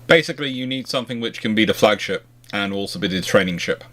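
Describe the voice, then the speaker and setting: Halting man hosting a history chat. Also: on the low side, fairly bright tone. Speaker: live Q&A host answering viewer questions. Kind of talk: casual naval history question and answer chat.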